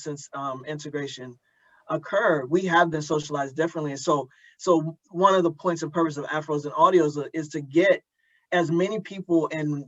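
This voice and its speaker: A man with a fairly high-pitched voice hosts an earnest conversation. He is reflective and halting, often repeating words as he works toward a point. The recording is a little dull and lo-fi. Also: a bit bright. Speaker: interviewer and host of an audio drama community event. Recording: dull lo-fi audio.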